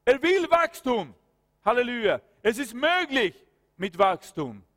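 A man's voice: very high voice, very animated, measured pace, a bit bright. A man preaching a fervent sermon, breaking into prayer and peppering his points with hallelujahs and amens. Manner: breaks into spoken prayer and commands. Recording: long hall reverb.

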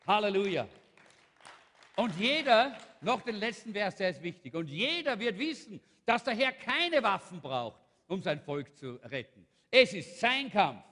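A man's voice: high voice, big pitch swings, normal speed, few pauses, sharp tone. A man, a pastor preaching a sermon and animatedly retelling a Bible story, acting out the characters. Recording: long hall reverb.

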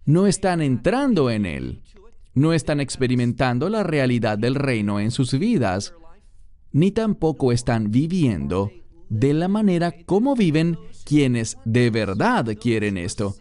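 A male preacher delivers a sermon at an unhurried pace. His voice swings up and down expressively while he speaks straight to his listeners and presses each point with emphasis. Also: medium pitch, very animated, a little mellow. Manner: emphatic, addresses listeners directly.

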